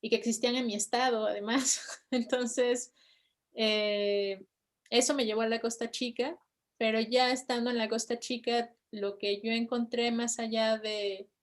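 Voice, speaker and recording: A woman's voice: fairly high pitch, little pitch movement, measured pace. A woman from Oaxaca with a Mexican Spanish accent, a film director speaking thoughtfully and hesitantly.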